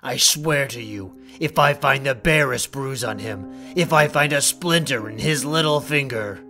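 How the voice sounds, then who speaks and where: A man's voice: medium pitch, a little slow, bright, forceful tone, soft background music. An actor playing a cold, proud man in an audio drama, clipped and threatening with contained fury.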